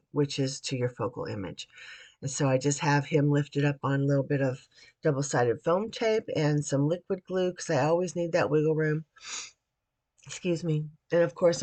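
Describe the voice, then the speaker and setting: A woman host narrating a card-making tutorial voiceover at her home craft desk, sounding raspy and stuffy from a cold, chatty and rambling with frequent restarts. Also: sits low, a little mellow.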